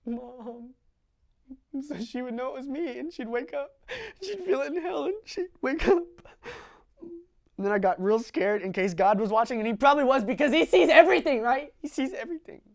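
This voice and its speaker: A man's voice: very high-pitched, fairly even intonation, unhurried, vocal fry, long pauses, heavily acted. A young male actor playing a young man who recounts a traumatic childhood in a dramatic stage monologue, raw and confessional. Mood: hushed, trembling. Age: young adult. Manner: raw and confessional, swinging between hushed recollection and sobbing screams.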